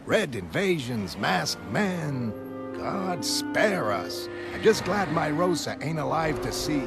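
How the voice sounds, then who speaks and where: A man playing a gruff, chatty older newsstand vendor with street talk. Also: a little high, sing-song, takes it slowly, heavily acted. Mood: grumbling. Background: music.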